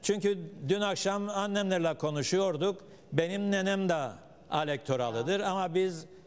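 The man's pitch is high, and he moves at a moderate pace. Its variation is ordinary. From Cyprus. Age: 70s. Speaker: author and retired teacher; retired teacher. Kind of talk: interview. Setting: studio. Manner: fluent. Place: studio. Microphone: lapel.

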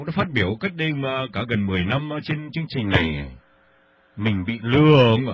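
At a moderate pace, a man with medium pitch talks somewhat breathy, with very wide pitch swings. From northern Vietnam (Nam Dinh). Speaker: radio host. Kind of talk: radio interview. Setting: studio.

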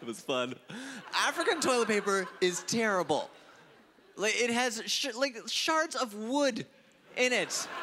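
Projecting a raised voice at an extremely high pitch, a man talks at a fairly slow pace with lively intonation and long, frequent pauses over light background noise. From grew up in Africa, born in Ottawa, Canada; Africa. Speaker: comedian and veterinarian; comedian. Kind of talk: stand-up. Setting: stage with audience. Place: stage. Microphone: handheld.

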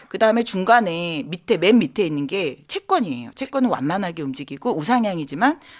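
Very wide pitch swings from a woman talking fairly quickly. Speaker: asset management executive. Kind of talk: explanatory interview.

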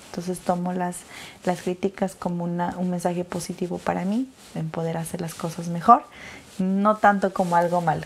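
With light background noise, a woman speaks at a moderate pace, her pitch fairly low and her intonation fairly even. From Ecuador, Riobamba; Ecuador. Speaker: singer and influencer; influencer. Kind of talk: interview. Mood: warm, smiling, reflective. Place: studio. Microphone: lapel.

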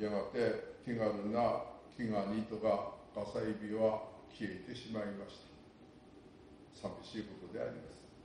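A man with a Tsugaru accent speaks at a fairly slow pace, with long, frequent pauses. Audible room echo and light background noise surround his voice. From Tsugaru, Aomori, Japan. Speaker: storyteller in local dialect. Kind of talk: explanatory talk on regional dialect and memories. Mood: calm, wistful. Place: home room.

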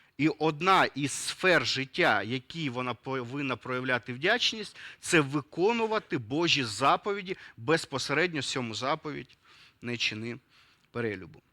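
Recorded very cleanly with a silent background and a dry, close sound free of echo, a man talks fairly slowly at a fairly high pitch, with lively intonation and a bright, sharp tone. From Ukraine, Makariv area (Kyiv region). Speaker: pastor. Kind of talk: sermon. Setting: church.

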